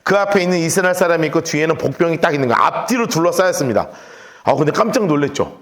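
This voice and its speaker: A man teaching a Bible class, urging his listeners to mark their pages as he goes. His voice sits high and swings widely as he dramatizes each passage. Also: racing. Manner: animated, coaxing the class to take notes. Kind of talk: Bible lecture.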